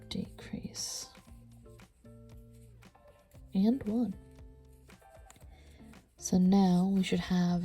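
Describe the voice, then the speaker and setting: A woman with a stuffy nose teaching a crochet tutorial, counting stitches aloud and often sinking to a soft near-whisper. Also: medium pitch. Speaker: crochet instructor. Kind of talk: step-by-step craft tutorial.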